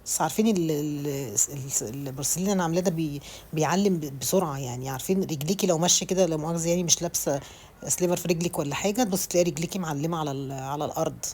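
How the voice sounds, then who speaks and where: A woman's voice: low-pitched, racing, a little mellow, slight background noise. A woman in her thirties with an Egyptian accent, chatting casually about cleaning her home in a rambling voice-over full of restarts. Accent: Egyptian Arabic. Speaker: home vlogger.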